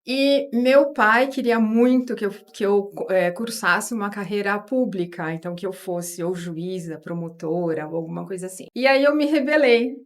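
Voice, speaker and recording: A woman's voice: mid-range voice, moderate pace, hardly any pauses. A woman from São Paulo with that city's accent tells her career story to an interviewer. Her voice sits in the middle of the range, and her delivery is thoughtful, with tag questions and restarts along the way. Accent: São Paulo Portuguese. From São Paulo, Brazil. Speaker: guest, board advisor.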